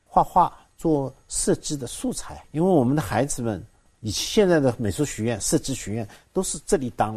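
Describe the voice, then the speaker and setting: A man speaks at a moderate pace in a somewhat breathy voice of medium pitch. His pitch swings very widely, and the background is quiet. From China, Zhejiang (Zhuji). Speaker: painter. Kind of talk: interview.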